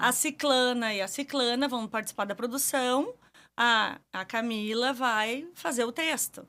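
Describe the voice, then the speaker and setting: A woman with a high pitch and a bright, sharp tone speaks at a fairly slow pace. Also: ordinary pitch variation, very clean recording, silent background. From southern Brazil, Porto Alegre. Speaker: TV reporter and journalist. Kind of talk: interview.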